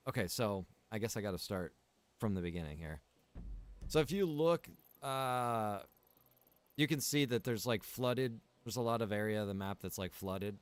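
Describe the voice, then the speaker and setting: A man's voice: medium pitch, clear, resonant tone. A man chatting casually as he livestreams a game, rambling along in a laid-back way. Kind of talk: casual livestream chat while gaming.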